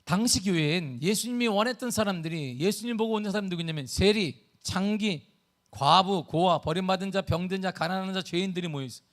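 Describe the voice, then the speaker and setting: A middle-aged man preaching a sermon as pastor, telling a story with sudden swings between loud bursts and hushed asides. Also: high voice, fairly quick.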